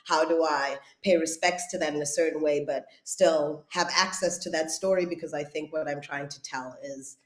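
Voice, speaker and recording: A South African writer and director reflects thoughtfully in a conversational interview, often searching for her words. Her low voice keeps a fairly even intonation at a moderate pace with hardly any pauses, and the room sounds echoey.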